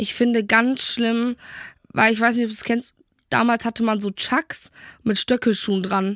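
A woman speaks at a moderate pace in a flat monotone, leaving long, frequent pauses. The sound is dry and close with no echo, in a very clean recording with a silent background. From Cologne, western Germany. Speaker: podcaster and social media creator. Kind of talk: casual chat.

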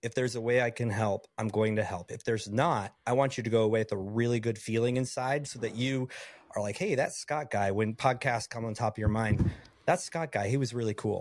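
An ordinary speaking voice from a man at medium pitch, with a fairly quick pace and fairly even intonation. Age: 50s. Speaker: business owner and entrepreneur. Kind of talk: casual chat.

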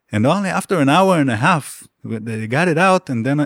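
With an Israeli accent, a man speaks at a moderate pace with very wide pitch swings, in a dry, close sound with no echo on a very clean recording with a silent background. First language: Hebrew. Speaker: graffiti artist. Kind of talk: interview. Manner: halting.

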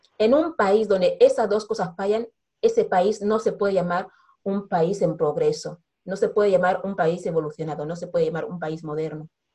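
A woman's somewhat breathy, medium-pitched voice with a dark, mellow tone, ordinary pitch variation and a moderate pace. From Equatorial Guinea, Bata; partly raised in Cameroon and Gabon. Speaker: movement founder and social media activist. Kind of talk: interview conversation.

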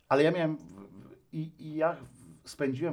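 Vocal fry marks this man's voice. He speaks at a fairly quick pace. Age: 50s. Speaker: former journalist and radio host. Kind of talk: interview about depression.

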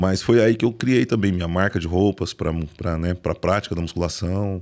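With a dark, mellow tone, a man talks at a fairly quick pace on a very clean recording with a silent background. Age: 40s. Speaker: podcast host and fighter. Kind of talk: interview testimony.

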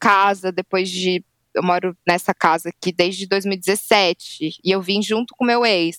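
A woman speaks in a normal speaking voice with ordinary pitch variation. The sound is dry and close, with no echo. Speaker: podcast co-host. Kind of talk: casual chat.

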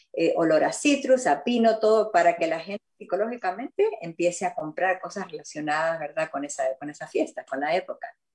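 This woman talks at a fairly quick pace with hardly any pauses and a medium pitch. Her pitch swings very widely and her loudness shifts in big swings. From Argentina, Buenos Aires and Rosario. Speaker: home staging designer. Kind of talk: interview testimony.

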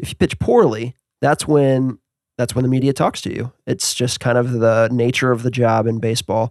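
The man has an unremarkable speaking voice at medium pitch, using fairly even intonation at a moderate pace in a dry, close sound with no echo. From US South. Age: 30s. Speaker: podcast host and baseball pitcher. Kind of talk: casual interview.

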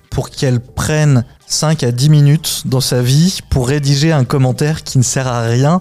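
Noticeable background noise sits behind a man's voice. He talks fairly slowly at fairly high pitch with fairly even intonation. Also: hardly any pauses. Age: 30s. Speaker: podcast host and public speaking trainer. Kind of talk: casual chat.

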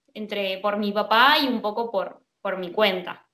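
With a Cuyo Argentine accent, a woman talks very slowly in a fairly high, bright and sharp voice with ordinary pitch variation. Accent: Argentine Spanish (Cuyo, Mendoza). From Argentina, Mendoza. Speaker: singer-songwriter. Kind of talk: interview.

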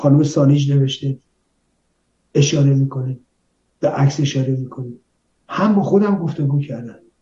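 Dark and mellow in tone yet fairly high-pitched, a somewhat breathy man speaks at a moderate pace with ordinary pitch variation and long, frequent pauses. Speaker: political activist and commentator. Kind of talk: interview.

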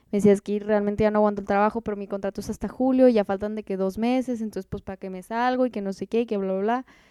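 Very fast, monotone speech from a woman at medium pitch, dark and mellow in tone, with big swings in loudness, a dry, close sound with no echo, and a very clean recording over a silent background. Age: 20s. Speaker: university student podcaster. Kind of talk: casual chat.

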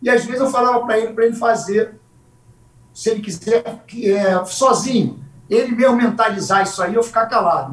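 Fairly quick male speech at a high pitch with ordinary pitch variation. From Brazil, Rio de Janeiro suburb. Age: 60s. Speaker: jiu-jitsu master and fitness coach. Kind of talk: interview, casual chat.

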